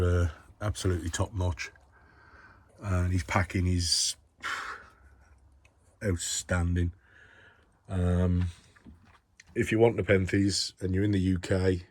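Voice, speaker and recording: Inside a warm grow tent in a shed, a hobbyist vlogger from the Black Country, England, leads a casual, meandering video tour, friendly and talkative in his Black Country English accent. His voice sits low with a darkish tone, and there's no echo.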